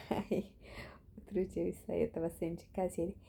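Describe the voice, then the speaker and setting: Woman in her twenties or thirties, casual reading-vlog chat, husky and mellow. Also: lowish voice, flat delivery, measured pace. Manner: chatty and anecdotal, with many fillers and restarts. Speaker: book reading vlogger. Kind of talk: casual spoken reflection.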